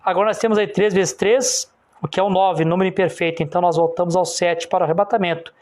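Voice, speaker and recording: A man from Rio do Sul, a pastor preaching a sermon in church with call-and-response. He keeps asking the congregation for agreement and grows loud and emphatic as he presses each point. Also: high-pitched, fairly even intonation, quick pace. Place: church service in front of a congregation.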